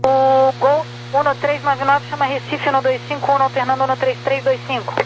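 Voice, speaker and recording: A woman's voice: high voice, level tone, normal speed, faint music behind. A woman working as an air traffic controller, giving procedural instructions over a walkie-talkie style radio. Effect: over walkie-talkie style aviation radio. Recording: dull, faintly noisy radio channel with hum.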